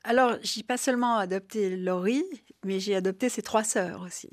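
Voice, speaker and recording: An older woman, a historian, answering interview questions in a measured, reflective way with occasional hesitations. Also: mid-range voice. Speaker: historian guest.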